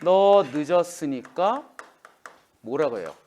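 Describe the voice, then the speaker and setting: A man's voice: fairly high pitch, takes it slowly, a little hiss or hum. A man teaching a classroom lesson, speaking informally to students and acting out quoted lines. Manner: lively, acts out quoted lines. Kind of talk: classroom lecture.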